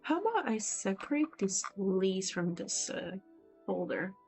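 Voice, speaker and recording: A woman's voice: medium pitch, very animated, measured pace, darkish tone, slightly rough, faint music behind. Chatty young woman streaming art. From Hong Kong. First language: Cantonese. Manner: chatty and rambling, answers viewer chat as she works. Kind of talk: casual livestream chat while drawing. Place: at home on vacation. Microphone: poor-quality mic.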